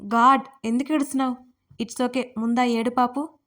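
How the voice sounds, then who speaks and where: An irritable young male romantic lead, curt and snappish, dropping English words into his lines, as a woman narrator puts him on. His voice sits a little high and loud for a man, with a plain, close sound. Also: steady tone, normal speed, soft background music, lightly acted. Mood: tender.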